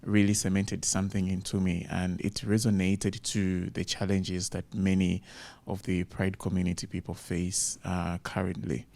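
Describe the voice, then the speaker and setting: A man with a Tanzanian accent giving deliberate, emphatic remarks as a participant in a group discussion. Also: deep voice, completely flat delivery, gravelly, darkish tone. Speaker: fellowship participant.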